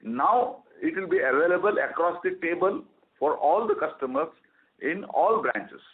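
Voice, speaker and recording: A man, a company executive answering analyst questions on a conference call, halting with many fillers. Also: fairly high pitch, animated. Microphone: telephone. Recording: phone-line audio.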